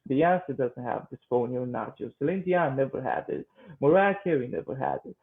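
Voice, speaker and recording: A man in his twenties from Romania with a Romanian accent, answering interview questions conversationally in a halting way, often repeating words. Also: mid-range voice, vocal fry. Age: 20s. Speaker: guest, vocal coach and singer-songwriter. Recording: thin phone-like line.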